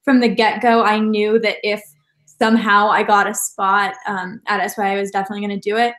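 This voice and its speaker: A woman's voice: medium pitch, little pitch movement, a little fast, fairly bright tone, roomy sound. Laughing teen girl on a video call. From Denver, Colorado. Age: teens. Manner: chatty, laughs between phrases. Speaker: alumna and high school student. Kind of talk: casual remote video call.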